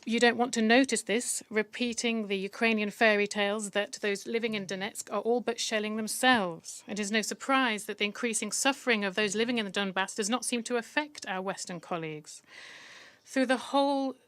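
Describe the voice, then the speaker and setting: Steady woman interpreter, dry close sound. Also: medium pitch, normal speed, no echo. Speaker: conference interpreter. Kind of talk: simultaneous interpretation of formal diplomatic speeches.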